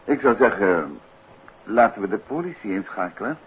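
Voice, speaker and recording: A man acting an urbane gentleman detective in an old radio play, with a deep voice and very lively intonation. He is unruffled, evasive and dryly ironic. The recording is muffled, with some background noise. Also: normal speed, lightly acted. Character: unruffled, evasive middle-aged gentleman detective, teasing husband. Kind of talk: 1950s Dutch radio drama acting.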